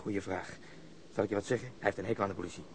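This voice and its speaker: An actor in a Dutch radio drama playing a dry, sardonic plainclothes police detective. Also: male voice, fairly low pitch, fairly even intonation, racing, a little mellow, close to an everyday voice. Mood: tense. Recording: noisy radio drama recording.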